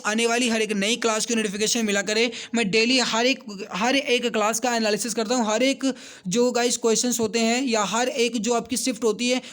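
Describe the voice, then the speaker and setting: A man with a strikingly high-pitched voice teaches an exam preparation class. He goes through questions step by step, restating each answer for emphasis. He speaks straight to his students in a familiar, brotherly way. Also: fairly bright tone. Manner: addresses viewers directly as brothers and guys. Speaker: online exam coaching teacher. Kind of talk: exam question walkthrough lesson.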